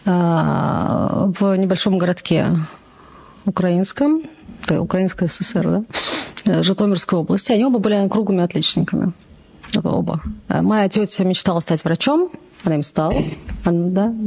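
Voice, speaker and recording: A woman in her forties from Moscow, a journalist guest talking in a measured, thoughtful way with many pauses. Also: mid-range voice, creaky, darkish tone. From Russia. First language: Russian. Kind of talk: casual conversation.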